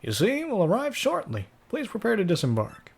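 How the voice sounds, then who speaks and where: A man's voice: high-pitched, wildly swooping pitch, normal speed, gravelly, husky, pitched above the performer's own voice, exaggerated voice. A man voicing a polite, eager ship's sailor in a video game.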